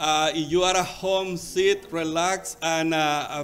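Against light background noise, a man speaks very slowly in a high pitch. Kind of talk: church welcome address. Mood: warm, cheerful, laughing. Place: church. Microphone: podium.

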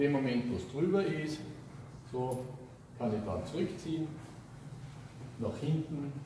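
A man with a fairly high voice speaks at a fairly slow pace, using ordinary pitch variation and long, frequent pauses. There is audible room echo and noticeable background noise. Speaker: horse trainer. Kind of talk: instructional talk to team while working. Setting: stable. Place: farm machine. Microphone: camera far.

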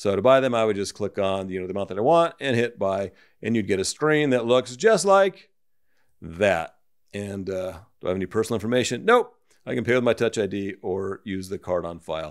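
In a very clean recording with a silent background, a man talks at a fairly quick pace with a fairly low pitch and ordinary pitch variation. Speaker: video editing tutorial creator. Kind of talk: tutorial. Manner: fast talker.

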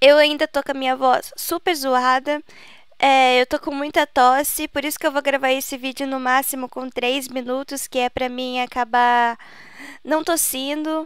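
A woman talks fairly slowly at a high pitch, in a flat monotone. The recording is very clean, with a silent background. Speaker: gaming YouTuber. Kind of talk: casual vlog update.

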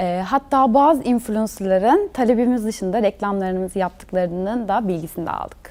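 At a fairly quick pace, a woman talks with lively intonation in a fairly high voice. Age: 20s. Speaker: textile brand founder and designer. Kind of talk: interview. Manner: hesitant with filler sounds.

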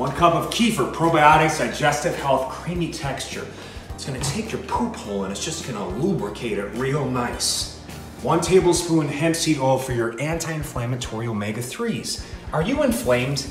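Clear music plays in the background as a man speaks at a moderate pace, with audible room echo. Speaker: presenter. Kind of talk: casual live-stream recipe chat. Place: kitchen. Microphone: phone near.

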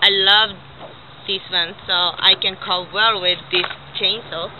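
A woman with a non-native accent speaks at a very slow pace and medium pitch, with a dry sound, no echo and light background noise. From Japan. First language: Japanese. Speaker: chainsaw carver. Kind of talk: casual talk to camera. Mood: friendly, enthusiastic. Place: open country. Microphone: phone near.

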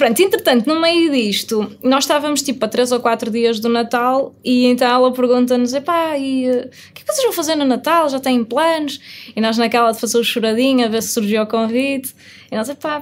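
Here a woman speaks at a high pitch with ordinary pitch variation. Her pace is fairly quick. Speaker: interview guest. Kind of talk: interview answer. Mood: amused, storytelling. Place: studio.

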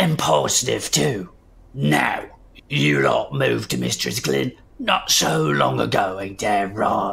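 Putting on a character voice, a man speaks at a fairly slow pace in a very deep, low, raspy, menacing tone, with very wide pitch swings. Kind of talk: audio drama performance. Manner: menacing, sarcastic.

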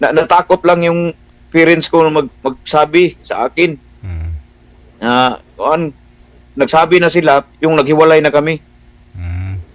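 This man talks at a fairly slow pace with a fairly high pitch, ordinary pitch variation, and long, frequent pauses. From Mindanao, Philippines. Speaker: overseas Filipino worker, dating show participant. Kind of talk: casual chat.

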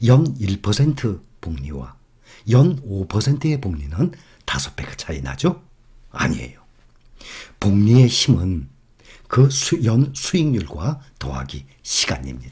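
A man talks at a fairly low pitch with very wide pitch swings and a somewhat breathy sound. His pace is very slow, with long, frequent pauses and big swings in loudness. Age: 60s. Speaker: YouTuber giving financial advice. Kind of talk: monologue lecture. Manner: deliberately slow.

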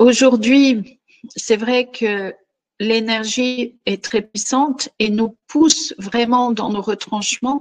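A woman's fairly high voice at a very slow pace, with fairly even intonation against a quiet background. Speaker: therapist and life coach; life coach. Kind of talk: online talk with live Q&A. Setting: video livestream. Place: home room. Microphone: webcam.

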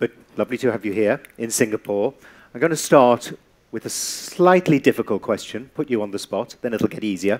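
The man's voice sits at a medium pitch and moves at a fairly quick pace. The background is quiet. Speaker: panel moderator, magazine editor. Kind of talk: moderated panel discussion. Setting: stage with audience. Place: hall. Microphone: headset.

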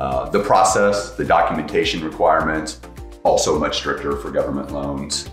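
A man's voice carries audible room echo, with faint music in the background. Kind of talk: interview answer. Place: office.

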